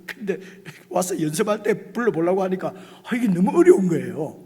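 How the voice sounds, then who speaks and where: A male pastor preaching a conversational sermon, animated, with many fillers and restarts, rising to near shouts. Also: sits high, a little fast. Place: church sanctuary. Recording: reverberant church hall, slightly husky.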